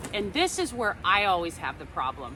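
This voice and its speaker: With very wide pitch swings and a fairly slow pace, a woman talks through noticeable background noise. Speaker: gardener. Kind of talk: casual talk to camera. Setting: outdoors, windy greenhouse.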